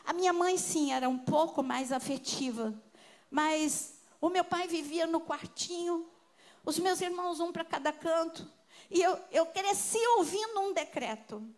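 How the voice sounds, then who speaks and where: Sharing her own testimony in a sermon, an older Brazilian woman preacher speaks with emotion, alternating between quiet and loud passages. She has a very high voice and talks a little slowly.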